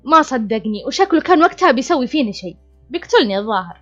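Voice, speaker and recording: A young woman telling a personal story dramatically, acting out the shouting and crying. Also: sits high, very animated, racing. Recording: slightly dull lo-fi with faint music.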